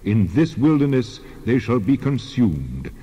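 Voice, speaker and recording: A man playing a wrathful, solemn God, stern, measured and declamatory, in a dramatized Bible reading. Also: medium pitch, sing-song, mellow, husky. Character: God, a wrathful, solemn male deity passing judgment. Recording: long hall reverb, dull sound.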